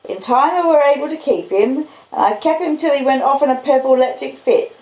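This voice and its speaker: A woman's voice: high voice, brisk, darkish tone, roomy sound, pitched above the performer's own voice, lightly acted, rough recording. A woman voicing a simple, kindly male blacksmith who tells things in an earnest, meandering way with rustic dialect. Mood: earnest, explaining.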